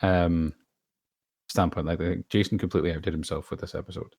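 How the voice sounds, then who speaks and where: A man's voice: low voice, fairly even intonation, brisk, gravelly, a little mellow, no room sound, studio quality. A man discussing things casually as a panelist on a podcast. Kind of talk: casual behind-the-scenes discussion.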